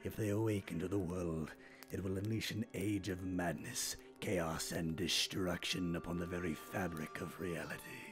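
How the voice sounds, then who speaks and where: A man's voice: deep voice, fairly even intonation, moderate pace, soft background music, natural voice. A man playing a grave, dramatic narrator of epic movie trailers. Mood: ominous, dramatic.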